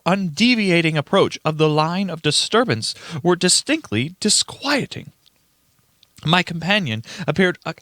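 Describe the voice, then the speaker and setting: Man acting an earnest, unnerved young witness, animated voice. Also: high-pitched, no room sound, exaggerated voice. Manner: formal old-fashioned storytelling, stumbling over words. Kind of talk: dramatic radio play reading.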